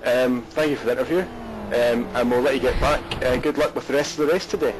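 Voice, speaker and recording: Rambling Scottish commentator on a noisy line. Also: male voice, mid-range voice, fairly even intonation, brisk. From Scotland. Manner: rambling, many fillers and restarts. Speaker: race commentator. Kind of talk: live race commentary and interview.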